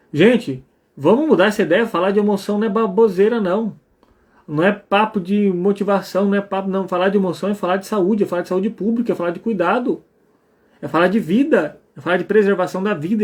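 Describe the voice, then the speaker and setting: Man, Brazilian Portuguese accent, high voice, psychologist, live talk, emphatic, blunt, keeps checking in. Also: brisk. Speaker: psychologist and couples therapist.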